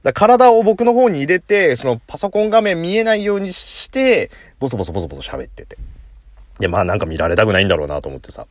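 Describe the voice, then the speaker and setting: A man's voice: a little high, sing-song, fast talker, dry recording. A man casually telling a funny story on his solo talk show, laughing at his own jokes. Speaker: podcast host. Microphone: phone app recording.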